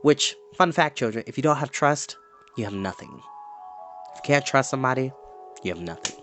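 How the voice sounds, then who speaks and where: A man hosting a storytime, chatty and animated, moving between casual talk and story reading. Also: mid-range voice, moderate pace. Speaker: storytime host and reader. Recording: music playing in the background.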